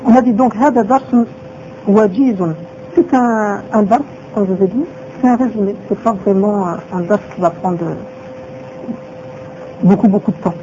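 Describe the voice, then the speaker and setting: A woman's voice: medium pitch, moderate pace, long pauses, warm tone, slight background noise. A woman teaching a religious lesson who repeats her phrases and asks rhetorical questions, on a dull lo-fi recording.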